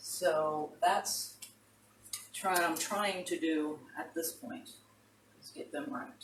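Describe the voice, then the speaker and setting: A woman mumbles at a very slow pace, with long, frequent pauses and big swings in loudness. Her intonation is lively. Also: fairly low pitch for a woman. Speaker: painter and art instructor. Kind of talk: painting demonstration tutorial. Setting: home art studio. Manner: mumbling, thinking aloud.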